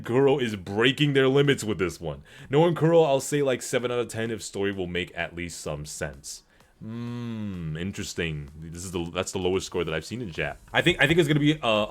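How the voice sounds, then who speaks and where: A man hosting a casual gaming livestream, reading and answering chat in a rambling, slangy, profane and emphatic way. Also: on the low side. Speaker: livestream host. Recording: music playing behind the voice. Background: background music.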